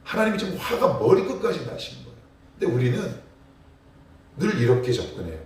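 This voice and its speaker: A man, a pastor, preaching at a morning prayer service, animated and emphatic, with rhetorical questions to the congregation. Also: mid-range voice, a little fast. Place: church sanctuary. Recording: echoey church hall, mic at a distance.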